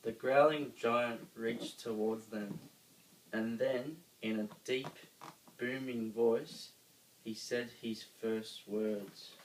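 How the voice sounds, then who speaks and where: A man with an Australian accent reads a children's story aloud, dramatically, with emphatic pauses. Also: mid-range voice, steady tone. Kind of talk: expressive children's story reading. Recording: roomy, distant mic, faint noise.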